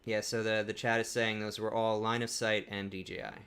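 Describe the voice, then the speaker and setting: Bright, clear-voiced male co-host. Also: lowish voice, flat delivery, fairly quick. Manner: conversational, with frequent restarts and fillers. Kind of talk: live panel discussion.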